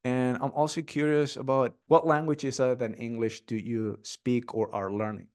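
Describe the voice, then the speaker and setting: A mid-pitched man hosts a podcast interview with upbeat enthusiasm. He talks casually and fills his sentences with "like" and "you know". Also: steady tone, normal speed, a little mellow. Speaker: podcast host.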